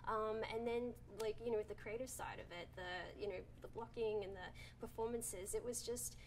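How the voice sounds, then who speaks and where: A woman's voice: on the high side, steady tone, normal speed, a little hiss or hum, poor audio. A woman with an Australian accent, a director talking casually about her film, full of "like" and "um". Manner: chatty, heavy use of "like" and "um". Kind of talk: casual interview answers.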